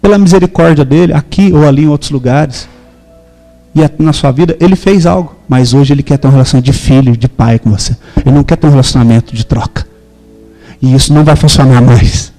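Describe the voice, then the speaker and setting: A man's voice: fairly high pitch, fast, dark tone, long reverb tail, faint music behind. A man in his thirties with a Brazilian accent, a pastor preaching a sermon and telling a story with emphatic quoted dialogue. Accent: Brazilian Portuguese.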